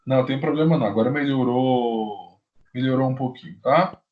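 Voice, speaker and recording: A man teaching chemistry in a live online class, talking to students with frequent check-ins and slowing down to stress key rules. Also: mid-range voice, dull audio. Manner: lively, repetitive teacher talk, often checks in with "tá?".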